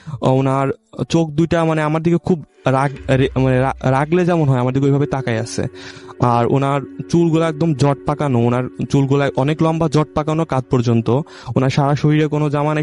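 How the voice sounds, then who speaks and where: Young man haltingly telling a ghost story. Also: on the high side, warm tone. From Bangladesh. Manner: halting, with many restarts and self-corrections. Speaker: caller sharing a true ghost story. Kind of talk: casual spoken storytelling.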